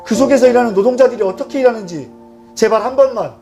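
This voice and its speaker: A man, a subcontracted power plant worker, making a halting, emotional plea. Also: very high-pitched. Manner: halting, pleading. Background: loud guitar music.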